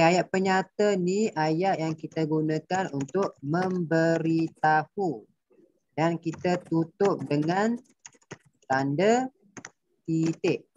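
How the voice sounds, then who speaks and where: A male primary school teacher with a Malaysian Malay accent patiently explains a grammar lesson and quizzes his pupils. His voice sits on the high side and is a little mellow. The recording sounds dull, dry and lo-fi.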